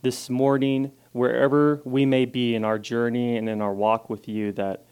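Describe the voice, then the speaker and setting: A man preaching a sermon in a casual way, reading scripture with rising emphasis and then praying softly. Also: medium pitch, little pitch movement, moderate pace, clean tone. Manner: loud, casual and self-deprecating, reads scripture with rising emphasis, prays softly. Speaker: guest preacher.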